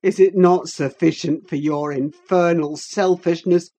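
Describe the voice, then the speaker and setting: A woman voicing a desperate, anguished man who speaks slowly and savagely. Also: on the low side, steady tone, warm tone. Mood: despair. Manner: slow, despairing, savage.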